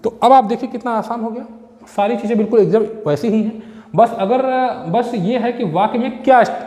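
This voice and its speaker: A male teacher giving an exam-prep grammar lesson, explaining step by step and checking that students follow, slowing down to spell out example sentences word by word. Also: very high voice, mellow, long reverb tail.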